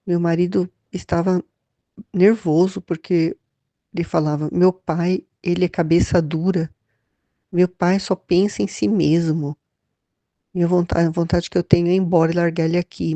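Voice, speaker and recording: A woman's voice: lowish voice, vocal fry, dark tone, no echo. A woman with a Brazilian Portuguese accent leading a Catholic devotional reflection, speaking hesitantly with many restarts and fillers. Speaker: Catholic study leader.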